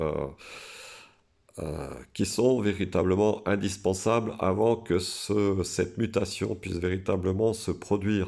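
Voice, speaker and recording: A man with a fairly low pitch and a dark, mellow tone speaks at a very slow pace. The recording is very clean, with a silent background. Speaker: card reader. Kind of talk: casual talk to camera. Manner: hesitant.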